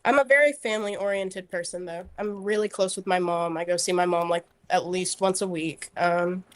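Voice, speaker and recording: A woman's voice: lowish voice, fairly even intonation, moderate pace. A woman in her twenties, a guest in a casual interview, talking easily with lots of "like" and "I feel like". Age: 20s. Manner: easygoing, filler-heavy with "like" and "I feel like".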